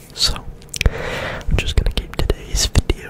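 Whispering over noticeable background noise. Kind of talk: ASMR video. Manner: whispered, soft-spoken.

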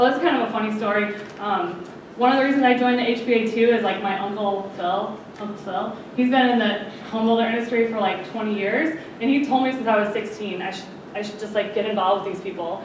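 Over noticeable background noise and audible room echo, a woman talks at a fairly quick pace and a fairly high pitch. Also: ordinary pitch variation. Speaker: sales business owner. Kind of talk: conference talk. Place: hall. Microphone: camera far.

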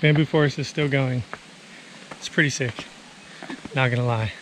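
Recorded dry with no echo but with noticeable background noise, a man talks at a moderate pace. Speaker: travel vlogger. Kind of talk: casual vlog chat. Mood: impressed, relaxed. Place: forest. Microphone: phone near.

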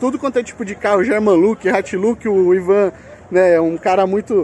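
A man's high-pitched voice at a moderate pace, with a dry sound with no echo and light background noise. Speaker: channel host filming event. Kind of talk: casual vlog commentary. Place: street. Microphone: phone near.

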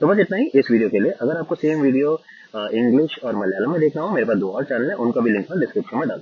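A man's husky, rough-edged voice at medium pitch, fast and with lively intonation.

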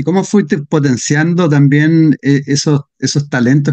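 The man's fairly high voice has a dark, mellow tone and ordinary pitch variation. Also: quiet background. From Chile. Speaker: podcast host. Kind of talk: interview. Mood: warm, calm. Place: home room. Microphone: video call.

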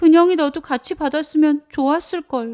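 A woman's put-on character voice, high-pitched, with ordinary pitch variation at a moderate pace. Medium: read story.

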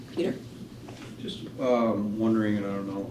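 A man talks at a moderate pace in a fairly low voice, with noticeable background noise. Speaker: school board member. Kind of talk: board meeting discussion. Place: classroom.

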